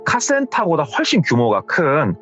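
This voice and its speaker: A male host narrating a listener's scary true story in a chatty retelling. His pitch moves a lot as he builds the tale. The recording is slightly dull, with faint music underneath. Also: moderate pace. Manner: retelling with hearsay, lively delivery. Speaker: horror story radio host. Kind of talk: spoken horror storytelling.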